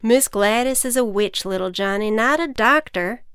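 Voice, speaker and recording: A woman's voice: a little high, moderate pace, fairly bright tone, smooth, no room sound, clean studio sound. A woman voicing a kindly, folksy farmer and father in a children's storybook. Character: kindly country farmer man, worried father.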